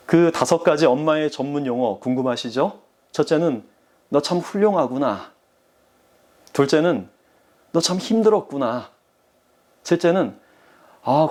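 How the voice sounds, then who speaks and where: A man's voice: fairly high pitch, darkish tone. A man preaching a sermon as pastor, speaking earnestly and addressing the congregation directly.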